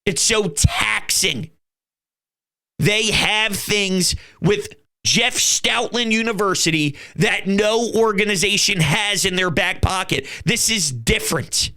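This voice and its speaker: Man, fan commentary vlog, emphatic, swears, high pitch, sharp tone. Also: slow. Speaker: fan channel host.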